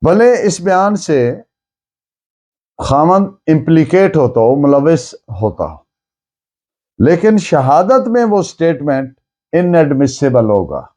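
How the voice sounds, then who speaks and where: A Pakistani man teaches law in a higher-pitched, very animated voice. His tone is soft-edged and mellow, and he explains didactically, stressing and repeating key phrases with English legal terms mixed in. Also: slow, long pauses. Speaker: law lecturer. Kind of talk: lecture, explaining and dictating case citations.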